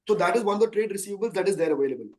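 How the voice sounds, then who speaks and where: Fast, high-pitched Indian man. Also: lively intonation, a little mellow. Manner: emphatic, talks at length with rhetorical questions. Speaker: company chief executive. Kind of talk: earnings call question and answer.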